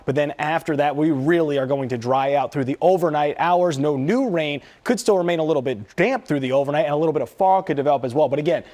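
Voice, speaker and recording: A man's voice: on the high side, a little mellow. An American man presenting a live weather forecast as a TV meteorologist, talking in a conversational, explanatory way.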